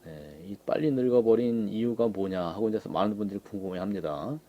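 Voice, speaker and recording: A man giving unhurried political commentary on pictures. He fills his talk with frequent short affirmations. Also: fairly low pitch, dull audio. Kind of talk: casual commentary on images.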